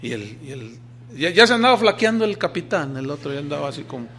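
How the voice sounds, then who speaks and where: Pastor preaching, emphatic storytelling, kinda high voice, asks the crowd questions. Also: male voice, very animated, quick pace, bright, forceful tone. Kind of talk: sermon.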